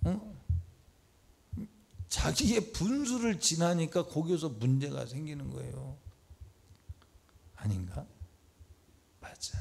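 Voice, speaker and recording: A male pastor preaching a midweek church sermon in a conversational way. He swings between loud exhortation and soft asides, acts out quoted speech and asks the congregation questions. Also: medium pitch, vocal fry, breathy edge. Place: church service.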